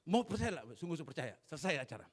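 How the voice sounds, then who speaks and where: A man preaching a church sermon at a Christmas service. He tells stories in a low voice, builds to shouted climaxes, and asks the congregation to answer back. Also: sing-song, rapid-fire, breathy edge.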